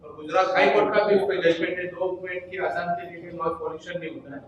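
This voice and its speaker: A man's voice: high voice, steady tone, fast talker, muffled recording. A man putting a question at a press conference. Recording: very echoey, far from mic, noisy.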